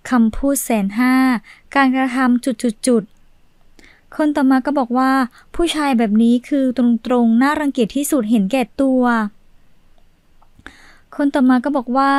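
A woman with a high voice reads viewer comments aloud as the channel's host. Her delivery is steady, with a brief pause before each new comment. The sound is dry and close. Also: no echo.

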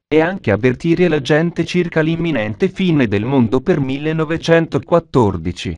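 A man voicing a pushy door-to-door preacher in a dubbed parody, talking in an insistent, earnest sales pitch. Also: no room sound, lightly acted. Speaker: doorstep preacher.

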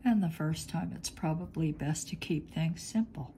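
A middle-aged woman teaching clay work in her home studio, talking slowly as she thinks aloud, a little sniffly. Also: deep voice, background noise. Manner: slow, thinking aloud while working with her hands. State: sniffly, congested. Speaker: polymer clay artist teaching. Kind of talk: relaxed studio demonstration. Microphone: overhead camera on hands, speaker off screen.

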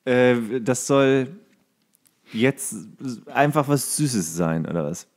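Lively man bantering casually. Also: mid-range voice, takes it slowly. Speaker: podcast co-host. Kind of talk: casual comedic banter, guessing slang words.

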